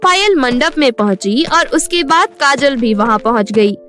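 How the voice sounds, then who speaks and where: A woman's voice: high voice, lively intonation, normal speed, fairly bright tone. A woman narrator reading a scripted story. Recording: music behind the voice.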